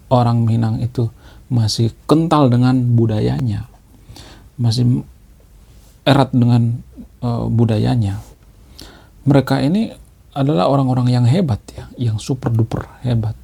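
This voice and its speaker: Here a man of medium pitch talks unhurriedly in a dark, gravelly, slightly rough voice, leaving long pauses. His relaxed, explanatory commentary lays out his opinions, with key words said again and phrases capped by an inquiring "ya."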